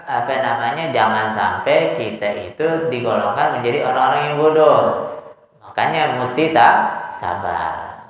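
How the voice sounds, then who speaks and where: A man teaching an informal Islamic study lesson, casual and teasing his students with rhetorical questions. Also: medium pitch. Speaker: religious teacher. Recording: echoey dull hall recording.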